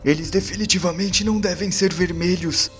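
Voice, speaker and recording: A man playing a courteous, formal gentleman in an audio drama game, with theatrical delivery. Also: high voice, fairly even intonation, brisk, soft background music, pitched above the performer's own voice. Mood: probing, ironic. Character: courteous, bespectacled gentleman, formal and easily astonished.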